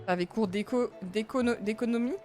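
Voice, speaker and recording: A woman's voice: fairly high pitch, a little fast, mellow. Chatty young woman streaming a game. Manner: chatty, rambling, talks to chat. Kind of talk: casual gaming commentary. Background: faint game music.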